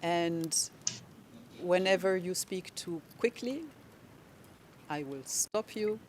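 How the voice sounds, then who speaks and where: Courtroom legal representative, slow deliberate delivery, middle pitch, light background noise. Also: expressive. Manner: slow, deliberate, explaining procedure. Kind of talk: courtroom questioning.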